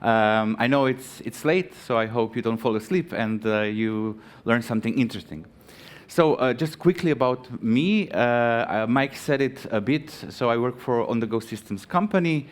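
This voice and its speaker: Man, from Croatia, thirties, conference talk, halting, lots of fillers, friendly asides, medium pitch. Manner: friendly, chatty asides to audience. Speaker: conference speaker. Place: conference stage.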